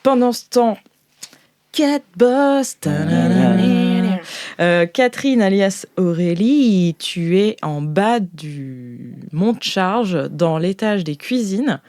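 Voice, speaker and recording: A woman hosting as game master, narrating an improvised tabletop game in a playful, colloquial, halting way. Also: fairly low pitch, lively intonation, mellow, dry recording, clean studio sound.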